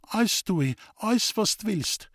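A frightened young village woman pleads breathlessly, as a male narrator puts her on. Her voice sits much higher than the narration. She sounds soft and pale with fear. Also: expressive, moderate pace, no echo, studio quality. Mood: pleading.

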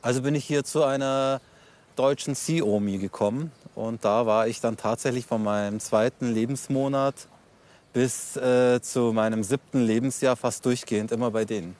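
A man in his forties from Munich, an interview guest telling his life story in relaxed, reflective conversation with a few fillers, outdoors on a city street. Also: medium pitch, moderate pace. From Germany, Munich. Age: 40s.

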